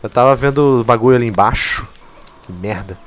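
A medium-pitched gameplay commentator speaks fairly quickly over faint game music. His casual let's play talk is excitable, laced with swearing, and full of jokes about the game.

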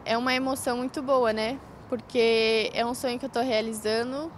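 A woman's voice: on the high side, fairly even intonation, moderate pace, a little hiss or hum. A sixteen-year-old girl with a Southern Brazilian accent, answering an outdoor interview into a handheld mic, earnest and a little hesitant. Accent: Southern Brazilian Portuguese. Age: teenager, 16. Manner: earnest, slightly hesitant with fillers. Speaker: interviewee, karate athlete. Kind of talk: street interview. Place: outdoors by a street. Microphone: handheld reporter mic.

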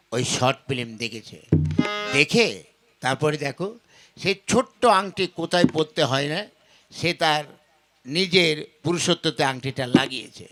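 A man's voice: on the high side, lightly acted. A man voicing an exasperated village father in a Bengali folk puppet comedy, scolding and questioning with exclamations. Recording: clear instrumental music with tabla behind. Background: folk music with tabla.

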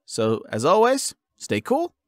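Casual, halting man in a dry room. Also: high-pitched, wildly swooping pitch, no room sound. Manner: informal, halting, thinking aloud. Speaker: audio roleplay creator. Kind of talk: casual update to listeners.

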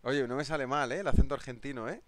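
A man with a Spanish accent from Spain hosts a live trading webinar, joking and chatting as he responds to viewer comments and laughs a lot. His mid-range voice is fast and a bit bright, and the recording is dry.

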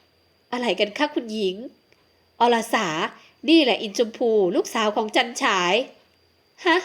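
A woman's voice: on the high side, unhurried. Dramatic older nanny, voiced by a woman; flustered and theatrical. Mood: astonished. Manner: exclaiming, theatrical.

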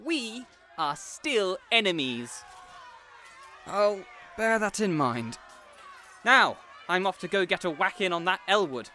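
A man playing a boisterous, smug, cheerful superhero in an audio roleplay, talking loudly and triumphantly. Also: high-pitched, very animated, slow pace, faint music behind, some chatter behind, full character voice. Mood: cocky. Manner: loud, triumphant, chatty. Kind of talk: character audio roleplay acting.

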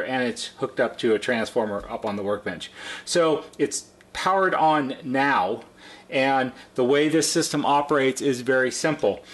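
A middle-aged man with a medium-pitched voice walks through a hands-on demonstration. He talks like a repair technician, in plain, unscripted language, explaining things one step at a time. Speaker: repair technician presenting a how-to video. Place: indoor workshop at a workbench.

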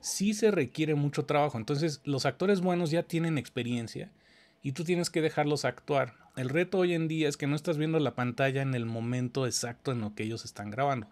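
A man's voice: a little high, fairly quick, a little mellow. Man explaining dubbing. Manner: patient, explanatory, asks checking questions. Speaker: audio engineering teacher. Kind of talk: casual conversation explaining dubbing work.

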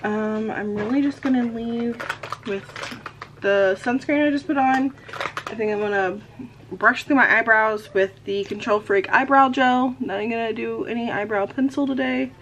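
A woman's voice: on the high side, normal speed, a bit bright, lo-fi sound, slight background noise. A woman in her thirties chatting casually to a camera in her bedroom, rambling with many fillers while she puts on makeup. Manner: talks while putting on makeup. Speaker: vlogger. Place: bedroom at home. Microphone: camera on a desk in front of her.

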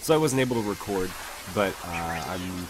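A man's voice: low-pitched, animated, moderate pace, noisy background. A man hosting a let's play, casually thinking aloud with many fillers while he recovers from a lost voice. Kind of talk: casual gameplay commentary.

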